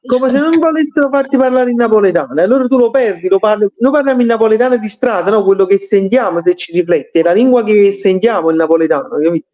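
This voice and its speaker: A man's voice: sits high, fast, few pauses, a little mellow. A man with a Neapolitan accent co-hosting a casual chat in dialect-tinged Italian, often seeking agreement with short tag questions. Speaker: radio show co-host. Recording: dull lo-fi radio-style sound.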